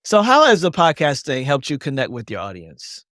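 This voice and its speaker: A man hosting an interview, calm and affirming toward his guest. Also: a little high, moderate pace, no room sound, studio quality. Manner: calm, affirming, brief responses. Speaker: interview host. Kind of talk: casual interview.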